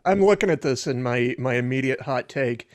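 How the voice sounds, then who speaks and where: A man's voice: medium pitch, lively intonation, moderate pace. A man on a podcast panel, musing aloud in casual chat and repeating words as he thinks.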